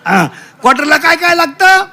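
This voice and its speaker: A man's voice: extremely high pitch, big pitch swings, brisk, bright, forceful tone. A man with a Marathi accent preaching a comic kirtan, quizzing the crowd and drilling the children in call-and-response, dropping in broken English phrases. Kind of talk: comic devotional sermon with audience call-and-response. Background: crowd answering back.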